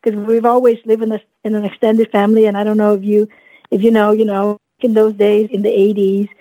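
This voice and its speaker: A woman in her fifties from Vietnam, a guest telling her story in an earnest, reflective way, often pausing with "you know.". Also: mid-range voice, level tone, dry recording, narrow, tinny audio. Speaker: guest, dentist and coach. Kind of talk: casual podcast interview.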